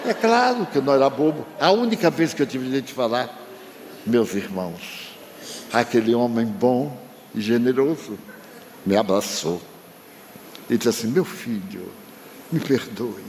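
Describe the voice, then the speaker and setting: An older man speaks to a congregation in a large hall, his voice carrying a long reverb. He tells a personal story with emotion, voicing the dialogue in turn. His pitch sits in a middle range for a man. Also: lively intonation, normal speed, pauses often, darkish tone, slight background noise. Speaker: spiritist speaker. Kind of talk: storytelling lecture.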